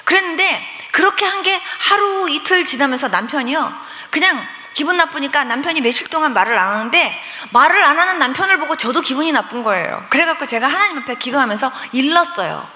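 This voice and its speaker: A woman pastor tells a testimony sermon in an animated storytelling way, with a lively, bright, fairly high voice. It rings out in a large church hall with long reverb. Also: fairly quick, few pauses.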